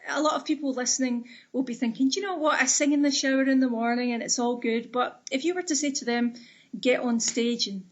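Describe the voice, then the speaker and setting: A woman's voice: high voice, steady tone, a little fast. Chatty woman, muffled sound. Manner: chatty, conversational, rambling questions. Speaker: interviewer. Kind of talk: interview questions.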